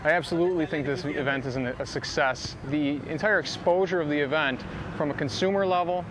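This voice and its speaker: A man representing a company, interviewed outdoors at a sports field on a lapel mic, speaking haltingly with many restarts. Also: fairly high pitch. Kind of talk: on-camera interview. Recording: outdoor interview with clear noise behind.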